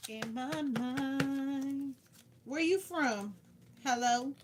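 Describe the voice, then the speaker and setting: Slow-paced, higher-voiced woman over noticeable noise. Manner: playful, blunt advice-giving, repeats phrases for emphasis. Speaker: tarot card reader and livestream host. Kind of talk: casual livestream card-reading chat. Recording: clearly noisy background with clicks.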